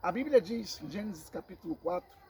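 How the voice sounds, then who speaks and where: A Brazilian man with a Brazilian Portuguese accent teaching a Bible sermon, slow and emphatic, repeating phrases and calling listeners brothers. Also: high-pitched, animated, gravelly, mellow, slight background noise. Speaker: preacher.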